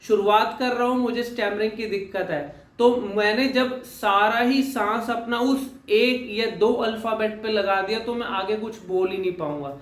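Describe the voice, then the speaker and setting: High-voiced speech coach. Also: male voice, normal speed, echoey room. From Haryana, India. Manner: mixes English terms into Hindi, repeats phrases for emphasis. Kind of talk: explanatory lesson talk.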